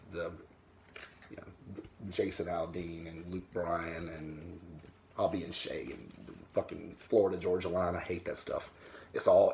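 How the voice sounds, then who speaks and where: In his home den, a vinyl record vlogger talks casually to camera about his records, rambling candidly and swearing freely. His voice is low with vocal fry, and there's a little hiss or hum on the audio.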